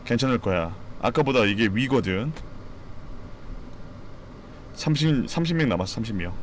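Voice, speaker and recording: Animated man streaming a game. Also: medium pitch, normal speed, slight background noise. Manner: mutters repeated short phrases, bursts into exclamations; casual, playful, talks to viewers. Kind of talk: live battle royale game commentary.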